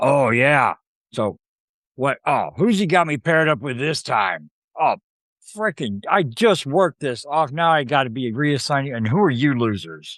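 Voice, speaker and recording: A man puts on a gruff, grumpy character voice at a fairly high pitch with lively intonation. He keeps a moderate pace, and the sound is dry and close with no echo against a quiet background. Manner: gruff, grumpy, attitude.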